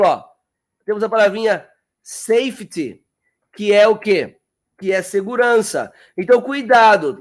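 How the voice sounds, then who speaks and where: A man teaching English on a live stream, chatty and coaxing, repeating words slowly to model pronunciation and calling out viewers' names. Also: high-pitched.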